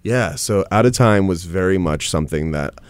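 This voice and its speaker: Easygoing baritone man, very deep, dry sound. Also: expressive, normal speed, dry recording. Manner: easygoing, laughs often. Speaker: musician guest. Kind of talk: casual radio chat.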